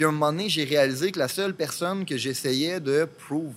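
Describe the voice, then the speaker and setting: With lively intonation, the talk comes in a normal speaking voice. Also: man. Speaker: podcast host, entrepreneur. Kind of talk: casual interview chat.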